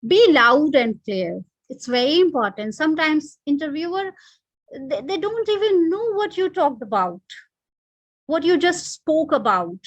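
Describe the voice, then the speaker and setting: High-voiced Indian woman trainer. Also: very animated, normal speed, dry recording, muffled recording. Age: middle-aged. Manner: switches between English and Hindi, emphatic and instructive. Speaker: employability trainer. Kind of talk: online training lecture.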